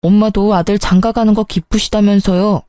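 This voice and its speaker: Woman voicing a young adult son, earnest, irritable, clipped, pleading, mellow tone, dry sound. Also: mid-range voice, steady tone, a little fast, dry recording, natural voice. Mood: irritated.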